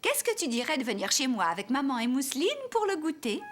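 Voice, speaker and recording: A woman's voice: sits high, big pitch swings, fast talker. A woman voicing a cheerful, kindly grandmother in a children's cartoon dub. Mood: welcoming. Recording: music behind the dialogue.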